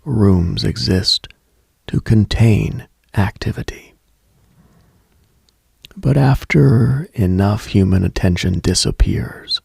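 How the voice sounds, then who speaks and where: A man hosting late-night radio, delivering a slow, atmospheric monologue in a hushed, deliberate, husky voice that slips toward a whisper. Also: fairly low pitch, no echo. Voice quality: gravelly, husky, breaking into whisper. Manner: hushed, deliberate, storytelling with pauses.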